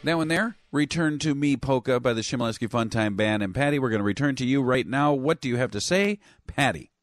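A man's voice: mid-range voice, expressive, fairly quick, faint music behind. A man co-hosting a polka radio show, easygoing and chuckling as he reads out listener mail. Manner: easygoing, chuckling, plugs announcements. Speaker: radio co-host.

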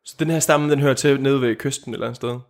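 A man's voice: mid-range voice, steady tone. A man in casual chat who asks curious follow-up questions, often stammering and restarting. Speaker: co-host asking questions.

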